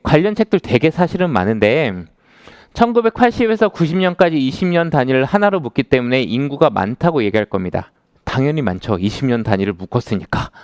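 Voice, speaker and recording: Male lecturer in his thirties, lively rising-and-falling delivery, smooth clear voice, dry close sound. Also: mid-range voice, dry recording. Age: 30s. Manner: conversational, asks the audience questions. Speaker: author giving a lecture. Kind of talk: lecture to a live audience.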